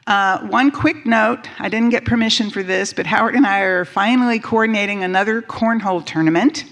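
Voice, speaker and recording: A woman speaks casually to a congregation, passing along announcements in a chatty, informal way. Her voice sits at a medium pitch and carries noticeable vocal fry. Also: a little fast, a bit bright. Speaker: church volunteer giving announcements.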